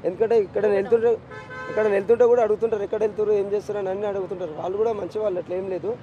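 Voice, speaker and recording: A man's voice: high voice, fairly even intonation, dull audio. Grieving man with a Telangana accent. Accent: Telangana Telugu. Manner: impassioned, halting, repeats himself. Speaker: grieving father interviewed. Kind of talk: emotional street interview.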